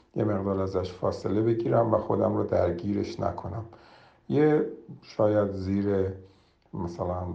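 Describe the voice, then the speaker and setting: A man with a somewhat breathy, fairly low voice speaks at a fairly slow pace with ordinary pitch variation. Long, frequent pauses break up his speech, and there is audible room echo. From Iran, Neyshabur. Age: 60s. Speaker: film director. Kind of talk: interview. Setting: phone call.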